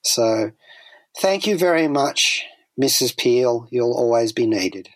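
A man's voice: mid-range voice, expressive, slow, no echo, rough recording. A man hosting a pop culture radio show in a chatty, wordy way, with whimsical turns of phrase and wry asides. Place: dry radio studio.

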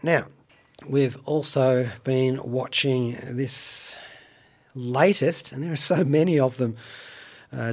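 A man presents chatty radio commentary in a medium-pitched voice. His delivery is wry and playful, with deliberate phrasing and little theatrical asides. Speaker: radio show host and reviewer. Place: radio studio.

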